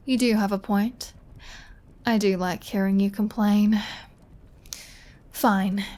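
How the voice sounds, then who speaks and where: A woman's voice: medium pitch, fairly even intonation, slow pace, a little mellow, lightly acted. A woman voicing a flirty, possessive female vampire in an intimate ASMR roleplay, with a teasing, playfully threatening manner. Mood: coaxing, intimate.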